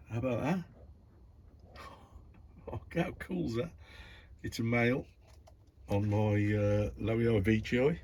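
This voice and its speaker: A man with a Black Country accent giving a casual, rambling video tour as a hobbyist vlogger, chatty and matey. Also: fairly low pitch. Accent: Black Country English. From Black Country, England. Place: warm grow tent in a shed.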